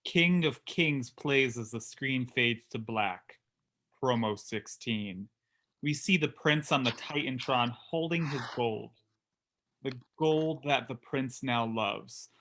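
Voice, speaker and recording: A man narrates a staged reading, delivering scene descriptions from a script. He speaks slowly and deliberately. His voice is mid-pitched, with a crisp, forceful brightness.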